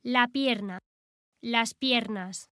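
A woman reads short phrases for learners, each word carefully enunciated and then repeated. She speaks extremely slowly, in a fairly high voice. The recording is dry and close, with no room sound. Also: bright, forceful tone, no echo. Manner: clear, careful, deliberate enunciation. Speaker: language teacher.

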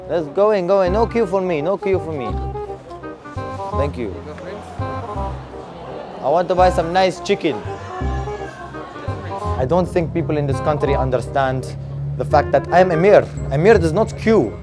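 A man's voice: sits high, pitched above the performer's own voice. A man playing a boastful Arab prince. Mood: haughty. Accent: put-on Arabic accent. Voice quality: broken English, boastful and haughty. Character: pompous rich young male Arab prince. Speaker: prankster. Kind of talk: street prank in character.

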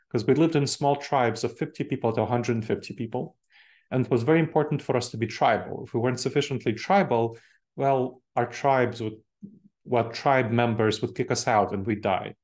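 A man in his forties speaks with an Eastern European accent, in a chatty, engaged way, and laughs easily. His voice has a plain, mid-range pitch. He is on a video call from a home office, using earbuds as his mic. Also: darkish tone. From Moldova. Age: 40s. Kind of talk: online presentation to professionals. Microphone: webcam video call with earbuds.

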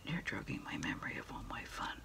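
A middle-aged woman in a quiet ASMR roleplay, speaking haltingly and hushed as she takes a takeout order over the phone. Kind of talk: ASMR roleplay, whispered one-sided phone conversation.

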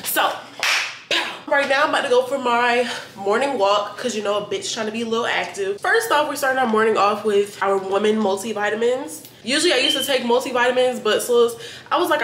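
Young woman vlogging, kinda high voice, stuffy nose, cussing a lot, echoey kitchen w loud dish clatter. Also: slight background noise. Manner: blunt, profane, chatty, talks straight to viewers. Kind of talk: casual day-in-the-life vlog. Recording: echoey room with clattering dishes.

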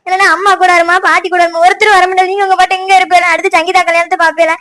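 A woman voicing a quarrelsome young village wife in a cartoon, with a Tirunelveli Tamil accent and a rapid, scolding way of talking. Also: very high-pitched, little pitch movement, fairly bright tone. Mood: tearful pleading.

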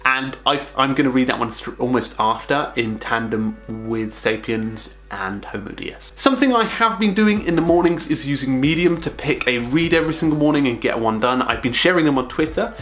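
A man's voice: medium pitch, moderate pace, hardly any pauses, faint music behind. A young man talking to camera from a small home office, sharing monthly recommendations in a chatty, upbeat way and lifting his voice at each new item. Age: young adult. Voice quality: calls his own voice monotone. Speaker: productivity vlogger. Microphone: camera close up at desk.

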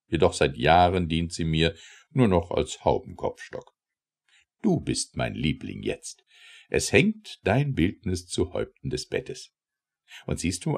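A man's voice: very deep voice, vocal fry, a little mellow, slightly rough, full character voice. A man voicing a proud, stately city goddess from a verse tale, declamatory and grandiose.

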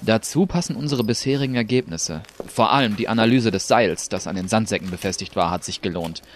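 A man's voice: lowish voice, a little fast, slight background noise, lightly acted. A man playing an easygoing police forensic technician in a crime audio drama, explaining in a matter-of-fact way. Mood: serious, matter-of-fact.

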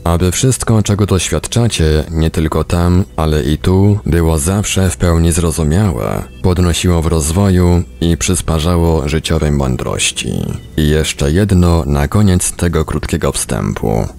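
Man, extremely low voice, creaky fry, measured audiobook reading, deliberate pauses. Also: expressive, a little mellow. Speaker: audiobook reader on a radio programme. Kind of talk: scripted audiobook narration.

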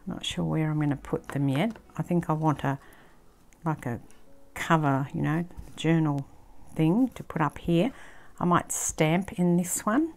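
An older woman with an Australian accent, casually thinking aloud as she works on a craft project, sometimes dropping into a soft near-whisper. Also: low voice, measured pace. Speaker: craft channel host. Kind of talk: casual craft-along commentary. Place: indoor craft table, filmed from overhead.

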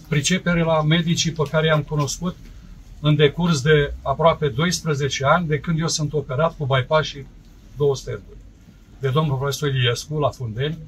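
A man's voice: on the high side, slight background noise, low-quality recording. A man in his seventies giving a plain-spoken, determined speech at an outdoor clinic opening. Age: 70s. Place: outdoor tent at a ceremony.

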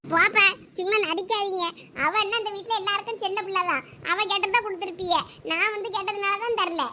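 A woman's voice: very high voice, steady tone, a little fast, bright, forceful tone, a little hiss or hum. A young woman playing a sulky college girl in a comedy sketch, whining and complaining. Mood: whiny. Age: young adult. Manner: whiny, complaining.

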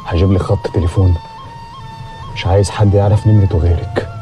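An actor as a deep-voiced reassuring Egyptian man. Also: fairly even intonation, fast, over music, lightly acted. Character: man promising a secret marriage. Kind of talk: TV drama acting.

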